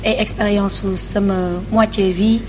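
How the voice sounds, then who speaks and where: A woman's voice: medium pitch, flat delivery, a little slow. Young Senegalese woman, TV interview guest, mid voice, hesitant, code-switching, faint studio hiss. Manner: hesitant, many fillers, mixes French and Wolof. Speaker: guest, author and TV presenter. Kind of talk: casual TV interview. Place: TV studio set.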